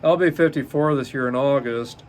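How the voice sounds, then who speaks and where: Halting man in his fifties, podcast host. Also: medium pitch, a little hiss or hum. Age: 50s. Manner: halting, many ums and uhs, self-correcting. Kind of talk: casual solo podcast, reading notes.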